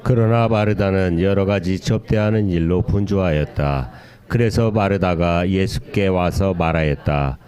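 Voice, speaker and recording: A church congregation reading a Bible passage aloud together at a slow, steady pace. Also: deep voice. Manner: slow, steady group recitation. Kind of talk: unison scripture reading. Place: church sanctuary. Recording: voices from a distance.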